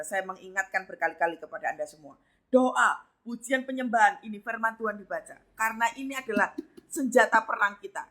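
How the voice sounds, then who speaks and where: A woman's voice: fairly high pitch, bright, forceful tone. A woman preacher giving a live devotional sermon, emphatic and often addressing her listeners directly. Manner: emphatic, repeatedly addressing listeners as brothers and sisters.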